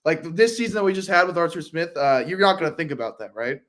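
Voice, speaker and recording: A man co-hosting a casual sports podcast, talking fast and rambling, and his voice jumps high when he retells big plays. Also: lively intonation, a bit bright. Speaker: podcast co-host.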